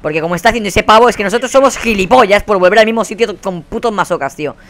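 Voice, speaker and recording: Racing along in a high-pitched, fairly bright voice, this young gaming host with a Spain Spanish accent rants and swears at other players during heated commentary. Game gunfire sounds faintly behind him.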